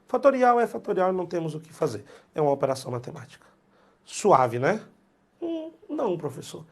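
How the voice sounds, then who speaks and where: A man with a Brazilian Portuguese accent teaching a math exam-prep lesson, blunt and emphatic, repeating key points in slangy talk. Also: a little high.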